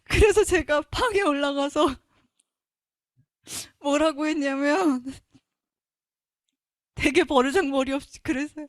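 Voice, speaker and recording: A woman's voice: high voice, takes it slowly, pauses often, no room sound, studio quality. A woman giving an earnest, emotional Christian testimony. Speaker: testimony speaker.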